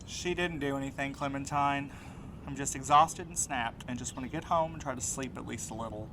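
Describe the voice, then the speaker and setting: A man's voice: mid-range voice, brisk, noisy background, natural voice. A man playing a weary, guarded, grieving mail carrier in an audio drama. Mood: reluctant, tired. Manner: reluctant, guarded, terse. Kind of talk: naturalistic audio drama dialogue.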